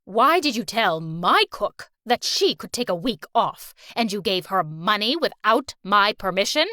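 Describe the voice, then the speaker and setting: A woman's voice: mid-range voice, very animated, measured pace, pushed and bright, dry recording, studio quality. A woman voicing a domineering wealthy older woman who talks in a harsh, cutting way. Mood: scornful.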